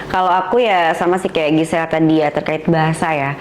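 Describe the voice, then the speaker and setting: A woman's voice: low-pitched, fairly quick, a little hiss or hum. A woman with a Sundanese accent, an actress chatting casually and animatedly about her work. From West Java, Indonesia. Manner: animated storyteller, acts out quotes. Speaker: actress in a promotional interview. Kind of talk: casual chat.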